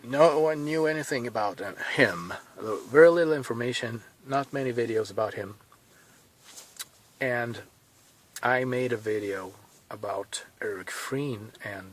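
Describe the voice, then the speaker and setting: A man in his thirties with a Swedish accent, talking casually to camera from inside a car, thinking aloud with pauses and restarts. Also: medium pitch. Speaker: vlogger.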